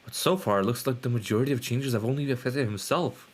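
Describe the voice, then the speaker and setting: Male game streamer: mid-pitched, casual, rambling, loose-tongued live commentary. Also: fast. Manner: sweary, rambling.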